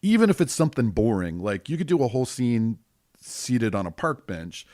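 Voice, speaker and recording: A middle-aged man with a deep voice, an improv performer and teacher talking casually in a podcast interview, often acting out bits of scenes. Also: no echo, clean studio sound. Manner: animated, acts out quick bits of scenes with laughs.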